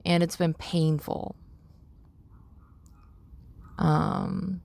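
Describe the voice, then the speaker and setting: A young adult woman talking through personal reflections as a podcast host, halting and searching for words as she repeats phrases. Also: lowish voice, flat delivery, creaky, a little mellow.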